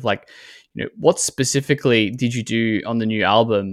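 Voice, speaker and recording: At a moderate pace and medium pitch, a man talks in a normal speaking voice. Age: 20s. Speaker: podcast host and music producer. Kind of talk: casual interview.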